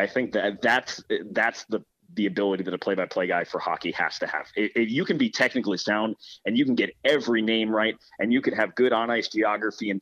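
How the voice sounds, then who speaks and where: A man's voice: fairly low pitch, fairly bright tone, dull audio. A man, a sports broadcaster, giving earnest, explanatory answers in a conversational interview and repeating words for emphasis. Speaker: hockey play-by-play broadcaster being interviewed.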